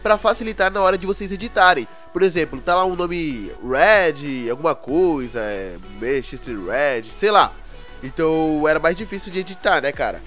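A young Brazilian man with a cold, his voice congested and hoarse, chatting casually through gaming news and constantly checking in with viewers. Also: fairly high pitch, expressive, moderate pace, a bit bright, faint music behind. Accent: Brazilian Portuguese. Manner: chatty, keeps asking the viewers "né, cara?". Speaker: gaming YouTuber.

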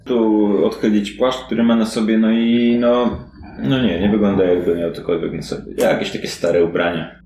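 A man's voice: fairly low pitch, fairly even intonation, normal speed, dark tone, slight background noise. A man narrating an improvised tabletop role-playing game as game master, in a conversational, descriptive way. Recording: roomy echo, faint music. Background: music.

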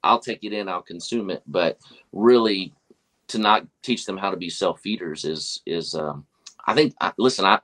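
A man's voice: low-pitched, normal speed, a bit bright. A man in his forties from West Texas, a pastor speaking earnestly on a video call from his office, with many fillers and restarts. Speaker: pastor and guest. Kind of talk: casual video call conversation. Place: office with whiteboard, indoors. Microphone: webcam on video call.

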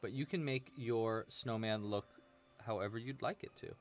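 Faint music plays behind a young man's mid-range voice as he teaches crochet at a moderate pace, streaming live from a small room in his home. He's playful and talkative, laughing as he works and reading chat messages aloud.

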